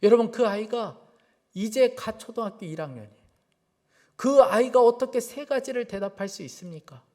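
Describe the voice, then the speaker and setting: High-voiced Korean pastor, earnest sermon. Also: male voice, animated, moderate pace, a little mellow. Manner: earnest storytelling, rising to fervent preaching. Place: church.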